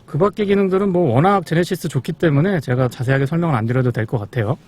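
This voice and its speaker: A man's voice: a little high, fast talker, darkish tone. A man presenting a test-drive review as a car reviewer, explaining things politely.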